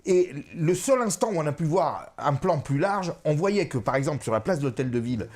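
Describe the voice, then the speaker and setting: Emphatic middle-aged man with lively pitch. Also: a little fast. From France. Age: 50s. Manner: emphatic, repeats phrases, many hesitations. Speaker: author and guest. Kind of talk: political interview discussion.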